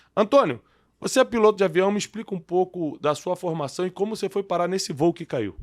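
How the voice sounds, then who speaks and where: A man's high-pitched, fairly quick delivery, dry and close with no echo, on a very clean recording with a silent background. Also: ordinary pitch variation. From Rio de Janeiro, Brazil. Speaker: podcast host. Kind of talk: interview podcast.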